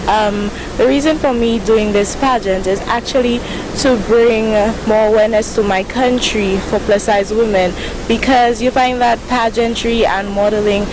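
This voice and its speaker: A woman's voice: a little high, fairly even intonation, moderate pace, background noise. Woman pageant contestant. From Saint Lucia.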